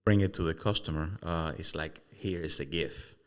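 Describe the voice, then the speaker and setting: A middle-aged man from Cuba with a notably deep, low voice, appearing as a guest on a podcast about his family business. He talks warmly and unhurriedly, and he keeps repeating phrases and filling pauses with "uh" as he makes his point. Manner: warm, repeats words, uh fillers.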